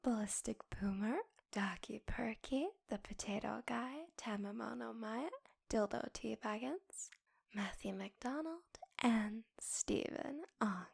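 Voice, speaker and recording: A woman speaking quietly in a half-whisper, reading out in a soft ASMR style as a content creator. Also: a little high, slow pace, gravelly, husky. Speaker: content creator thanking patrons. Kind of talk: soft-spoken ASMR name read-out.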